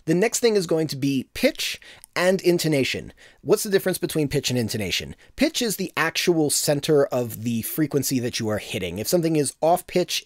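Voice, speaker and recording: A man with a bit of gravel in his voice, teaching vocal production in a casual, self-deprecating tutorial on a studio microphone. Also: fairly high pitch, no echo. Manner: relaxed, self-deprecating explainer.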